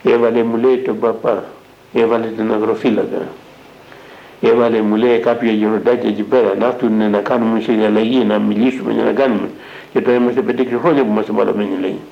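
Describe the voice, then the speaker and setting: Heard through a dull lo-fi radio broadcast, an older monk retells a dialogue in a spiritual talk. His voice sits lowish, level in tone and creaky. He keeps attaching "I say" and "he says" to each line he relays.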